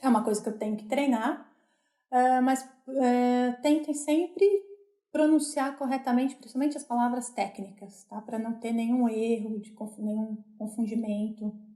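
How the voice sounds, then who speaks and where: A woman's high pitch with a dark, mellow tone, ordinary pitch variation, a moderate pace and big swings in loudness. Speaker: course instructor on epidemiology. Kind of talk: online lecture.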